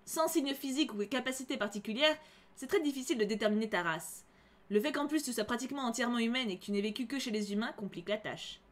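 A serious fairy leader woman from a story game speaks calmly and explains things in a measured way, as a female streamer reads her lines. The voice sits fairly high for a woman. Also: natural voice. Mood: explaining.

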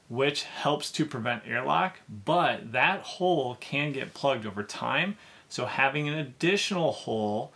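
A man in his thirties walks through a home repair job step by step, in a clear and practical way. His voice is bright and forceful, sitting at an ordinary pitch for a man. He is recorded close to the camera in a basement. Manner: clear, methodical, practical explaining. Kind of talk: step-by-step how-to explanation. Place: basement with concrete walls.

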